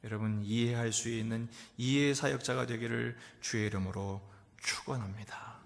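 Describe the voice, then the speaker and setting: A middle-aged male pastor preaching a sermon in a church, asking rhetorical questions and answering them, swinging from loud exclamations to near whispers. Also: mid-range voice, steady tone, moderate pace, creaky. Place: church sanctuary. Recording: echoey church hall reverb.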